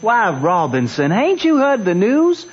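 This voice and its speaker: Gullible small town fella, high voice, old muffled radio play. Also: male voice, wildly swooping pitch, measured pace, breathy edge, exaggerated voice. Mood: eager, convinced. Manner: eager, reassuring. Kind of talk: old-time radio drama acting.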